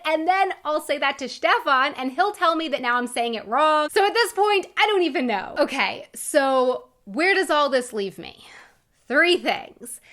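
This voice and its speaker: A high-pitched American woman in her thirties addresses her vlog audience directly. She talks in an earnest, encouraging way, stressing her main points with lively emphasis. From United States. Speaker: vlogger. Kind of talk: earnest personal vlog talk.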